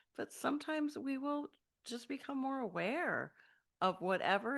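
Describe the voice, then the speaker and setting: A woman's pitch swings very widely as she speaks. The background is quiet. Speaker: meditation teacher. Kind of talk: guided meditation. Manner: calm, gentle.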